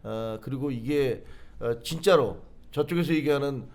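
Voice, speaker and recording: A man's voice: mid-range voice, normal speed, a little mellow. A man, a political commentator, telling a story with animation on a talk show and acting out what people said to him. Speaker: political commentator, former party official.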